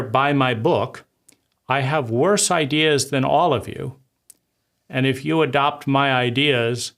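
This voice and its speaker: A man's voice: mid-range voice, fairly bright tone. A man hosting his channel, casually critiquing a book's argument with restarts and repeated rhetorical "right?". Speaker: host critiquing a book. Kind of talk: casual spoken commentary.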